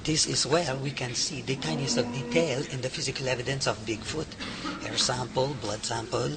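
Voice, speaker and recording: An excitable French lab scientist, played by a man, gushing and effusive in a thick French accent with slightly broken English. His voice has an ordinary middle pitch. Steady background noise hisses under the recording. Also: normal speed, lightly acted. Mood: explaining. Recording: noisy home-made audio drama.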